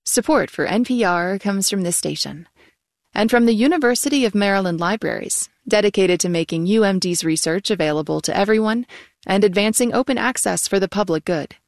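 Sponsor-credit voice: woman, mid pitch, smooth even read, dry close mic. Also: brisk, no room sound. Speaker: sponsorship announcer. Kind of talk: scripted announcements.

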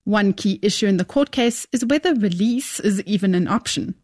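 A woman reporting a radio news story in a measured, clear delivery. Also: medium pitch, lively intonation, darkish tone, no echo, clean studio sound.

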